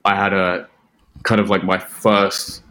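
A man's voice: low voice, little pitch movement, takes it slowly, bright, forceful tone. A man from Britain with a British-American mixed accent that sounds Australian, chatting casually as a podcast guest. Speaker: podcast guest, music producer. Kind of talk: casual chat.

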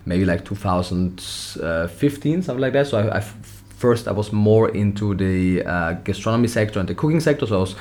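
A man's voice: fairly low pitch, animated, a little fast, darkish tone. A young man from Austria, a native German speaker with an Austrian accent, answering interview questions thoughtfully, restarting his sentences often. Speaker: nutrition scientist guest.

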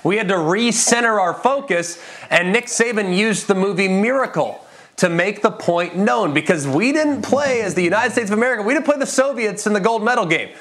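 A man's voice: sits high, animated, brisk, a bit bright. A man analyzing football on a panel, confident and detailed, drawing on his own playing days. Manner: confident, detailed, builds points with anecdotes. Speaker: football analyst, former player. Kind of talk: sports analysis.

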